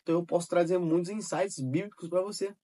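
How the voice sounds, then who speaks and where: A man's voice: high-pitched, fairly even intonation, quick pace, mellow. A man talking straight to his viewer in casual, informal advice, repeating points and checking that the listener has understood. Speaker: digital marketing creator. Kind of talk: casual direct-to-camera advice.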